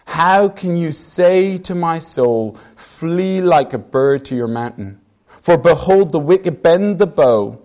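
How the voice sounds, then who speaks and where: Man, Irish accent, young adult, earnest conversational preacher, slightly higher voice. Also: expressive, takes it slowly, darkish tone. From Ireland. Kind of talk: sermon.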